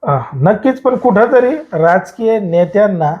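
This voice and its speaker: A man's voice: sits high, lively intonation, a little slow. A man asking conversational questions as an interviewer. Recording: muffled sound with music behind. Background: background music.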